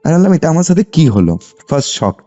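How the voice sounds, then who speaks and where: Muffled, mellow Bengali man telling a story. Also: on the high side, quick pace. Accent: Bengali from West Bengal. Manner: animated telling, often seeking confirmation with short tags. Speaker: caller telling a personal ghost story. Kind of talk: conversational personal storytelling. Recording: muffled lo-fi phone call, music behind. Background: background music.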